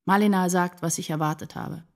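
An actress playing a troubled, introspective woman writer in a literary radio drama monologue, brooding and deliberate. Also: lowish voice, fairly even intonation, natural voice. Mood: brooding, reflective. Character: troubled, introspective woman writer narrating her inner life. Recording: music behind the voice.

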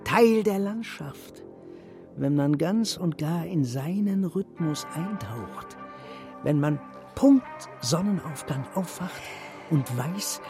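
A man playing a haughty, menacing upper-class hunter in a radio drama, speaking with condescension. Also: a little high. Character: arrogant upper-class hunter, menacing, obsessive murder suspect. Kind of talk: German radio drama acting.

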